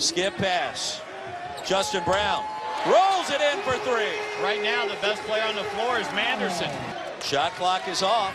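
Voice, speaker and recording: The speech moves at a fairly slow pace. Loud background noise fills the recording. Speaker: basketball play-by-play commentator. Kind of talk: live basketball play-by-play commentary, clipped highlight calls. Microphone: headset.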